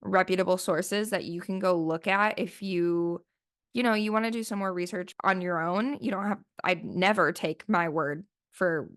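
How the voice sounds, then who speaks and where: A woman's voice: on the low side, moderate pace, fairly bright tone. Sniffly chatty woman podcast host. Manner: chatty, rambling, lots of "like" fillers. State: sniffly, voice still recovering from flu. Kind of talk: casual solo podcast chat.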